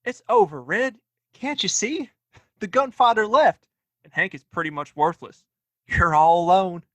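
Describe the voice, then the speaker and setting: A man's voice: high voice, a little slow, a bit bright, dry recording. A man acting a cocky, taunting young sheriff's son in a Western audio play, using folksy wording. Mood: smug.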